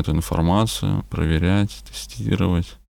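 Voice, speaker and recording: A man speaks in a very deep, low voice with vocal fry. His pitch swings very widely at a moderate pace. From Moscow, Russia. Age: 20s. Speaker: courier and fitness trainer. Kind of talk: interview storytelling. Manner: casual, with many filler words.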